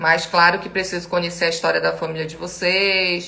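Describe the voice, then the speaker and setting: A woman speaks in a bright, sharp tone. Her intonation is monotone and flat. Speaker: speech therapist. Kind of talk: live stream Q&A. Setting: live stream.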